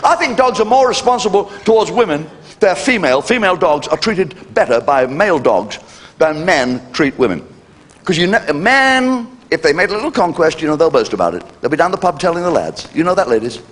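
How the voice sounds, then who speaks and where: An older man doing a live stand-up comedy routine, brash and cheeky, with sudden jumps in pitch for punchlines. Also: big pitch swings, a little fast, fairly bright tone. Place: live venue with audience laughter.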